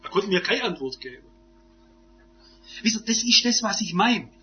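A man preaching a sermon, firing rhetorical questions and swinging from loud insistence to hushed asides. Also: high voice, very animated, normal speed, soft background music. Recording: dull lo-fi recording.

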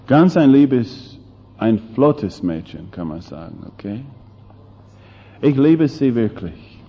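Slow, dramatic male preacher in a hall. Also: medium pitch, sing-song, husky. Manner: swings between loud emphasis and hushed asides. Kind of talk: sermon. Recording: long hall reverb, dull lo-fi sound.

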